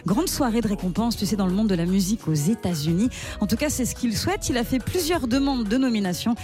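A woman co-hosting a radio show, reading quick entertainment news in a chatty way. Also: on the high side, expressive, mellow, faint music behind. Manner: chatty, laughs easily. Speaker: radio co-host. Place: radio studio.

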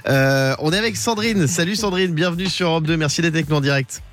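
A man's voice: a little high, quick pace, a bit bright. A man hosting a morning radio show, telling odd stories and running quizzes with a playful, teasing manner. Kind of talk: lively morning radio chat.

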